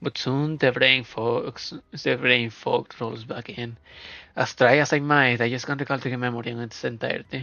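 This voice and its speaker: A man mumbles through a put-on character voice at a medium pitch. His pace is moderate. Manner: mumbling.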